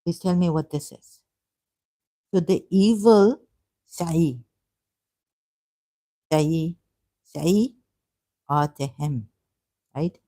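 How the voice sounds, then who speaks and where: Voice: mid-range voice, extremely slow, pauses often, mellow. A vlogger talking in an unscripted monologue about religious texts, rambling and hesitant, often stopping and restarting and asking rhetorical questions.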